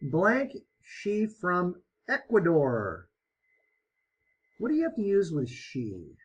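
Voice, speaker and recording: A man leads an online English lesson, guiding learners through each answer with slow, patient encouragement. His voice is fairly high and swings up and down a lot. It has a husky edge. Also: wildly swooping pitch, lo-fi sound. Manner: slow, encouraging, explains step by step. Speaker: ESL teacher.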